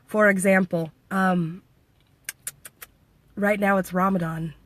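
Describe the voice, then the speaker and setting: A woman's voice: medium pitch, steady tone, slow, no room sound. A woman from the United States chatting playfully in a casual vlog, laughing often and acting out what others said. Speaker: vlogger. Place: Washington State.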